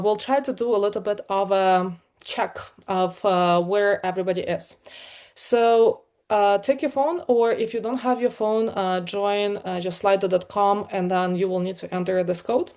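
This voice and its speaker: Ukrainian-accented woman giving a lively talk. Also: medium pitch, moderate pace. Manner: many fillers, energetic and conversational. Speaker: conference speaker, product leader. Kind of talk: live talk to an online meetup.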